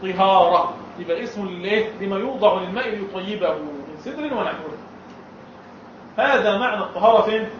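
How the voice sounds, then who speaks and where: Lecturer, male, higher pitch, recorded far off with a muffled sound. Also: brisk, fairly bright tone, slight background noise. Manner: asks students questions and answers them himself. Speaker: Islamic law teacher. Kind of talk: classroom lesson. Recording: echoey room, far from the mic, dull and muffled.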